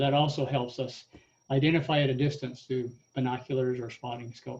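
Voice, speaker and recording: Talking at a fairly quick pace, a man with a medium-pitched, somewhat breathy voice keeps a monotone, flat intonation. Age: 70s. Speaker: wildlife volunteer presenter. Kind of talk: lecture. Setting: video call.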